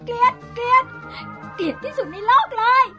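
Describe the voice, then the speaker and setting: A woman's voice: extremely high pitch, moderate pace, muffled recording, over loud music. A woman acting a furious, wronged wife in lakorn melodrama, accusing and overwrought. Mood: hateful, shrieking. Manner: accusing, vehement, emotionally overwrought. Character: furious, wronged wife in a bitter marital fight.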